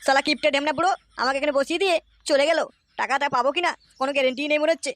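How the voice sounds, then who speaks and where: A woman's voice: high voice, racing, a bit bright, dry recording. A woman voicing a brash, quarrelsome young male auto-rickshaw driver in a cartoon who swears a lot. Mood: grumbling. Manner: cursing, quarrelsome. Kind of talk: cartoon voice acting.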